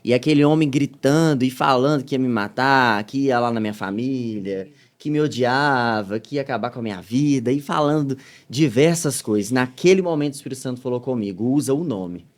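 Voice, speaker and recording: A man with a Minas Gerais accent recounts his experiences on a podcast. His voice rises and falls, loud in one moment and hushed the next, carried on a pitch of middling height. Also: brisk. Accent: Minas Gerais Portuguese. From Minas Gerais, Brazil. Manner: animated storytelling, swings from loud to soft. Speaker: missionary guest. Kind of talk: podcast testimony.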